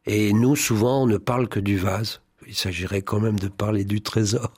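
A man's voice: lowish voice, fairly even intonation, moderate pace, darkish tone, husky, no echo. A man guest in a spiritual radio interview, speaking in a fervent, preacherly way and often quoting scripture. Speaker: priest and songwriter, interview guest.

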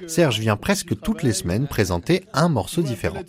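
Guy narrating a report, lively up and down voice. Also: medium pitch, moderate pace. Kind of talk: scripted narration.

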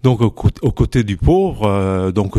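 A man's voice: on the low side, expressive, unhurried, dark tone. An older man from Italy, a native Italian speaker, talking about his life as an interview guest, with many fillers and restarts. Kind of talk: conversational radio interview. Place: large meeting hall of an office building.

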